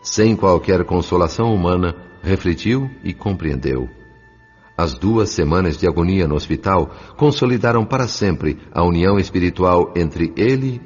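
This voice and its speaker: A man giving solemn, measured, dramatic narration of a scripted audio story. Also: sits low. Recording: dull sound with music underneath.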